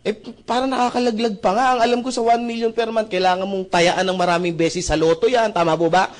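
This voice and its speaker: A young man from the Philippines giving an animated testimonial at a seminar, acting out conversations and often asking the audience to agree. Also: high voice, fast talker. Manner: acts out dialogue with shifting voices, asks audience often. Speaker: seminar speaker.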